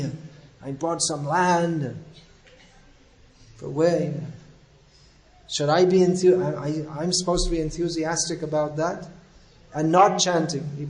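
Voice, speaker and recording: A man's voice: fairly high pitch, a little mellow, roomy sound, rough recording. A man, a spiritual teacher, giving a religious lecture that tells stories with quoted dialogue and scolds.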